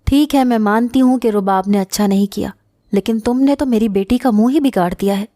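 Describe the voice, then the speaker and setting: A woman plays an ailing middle-aged mother in a narrated tale. She is indignant and reproachful, and her voice is mellow and dark. The sound is dry. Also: a little high, no echo, lightly acted.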